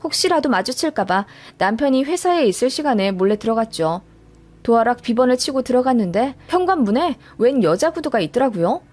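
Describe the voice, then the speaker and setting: High-voiced woman narrating a story. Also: expressive, brisk, a little mellow. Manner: first-person storytelling, plain recounting. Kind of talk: scripted narration of a radio story.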